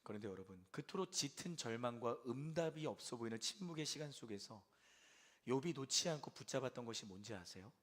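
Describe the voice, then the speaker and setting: A young adult man preaching a sermon to a church service, swinging from loud pleading to hushed, almost whispered lines. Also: mid-range voice, animated, brisk. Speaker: pastor.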